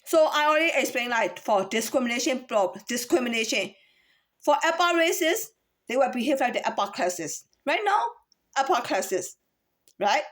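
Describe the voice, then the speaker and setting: A woman from Myanmar talks to camera in a rambling monologue. Her voice sits high, and she keeps firing rhetorical questions and restarting her sentences. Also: very animated, normal speed, fairly bright tone. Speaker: vlogger.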